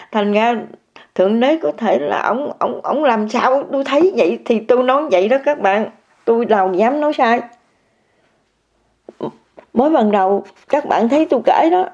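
A woman's voice: on the high side, darkish tone. An older woman giving an emphatic personal testimony to viewers, repeating words over and over and speaking straight to her listeners. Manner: repetitive, emphatic, addresses listeners directly. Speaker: meditation practitioner sharing an experience. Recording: muffled lo-fi recording.

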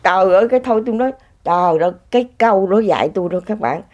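A woman's voice: medium pitch, animated, very fast, a little mellow, muffled recording. A woman tells her personal story in casual spoken testimony. She talks in an exclamatory way and laughs often. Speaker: speaker sharing a personal story.

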